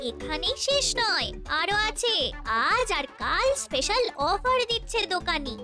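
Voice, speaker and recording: A woman's voice: extremely high pitch, big pitch swings, normal speed, music in the background. A woman voicing an eager, know-it-all child in a comedy cartoon, teasing and explanatory. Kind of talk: animated comedy cartoon acting.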